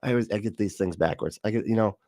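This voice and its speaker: A man's voice: lowish voice, quick pace, warm tone, no echo, clean studio sound. A man giving casual, sarcastic commentary on a clip, laughing often. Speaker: host.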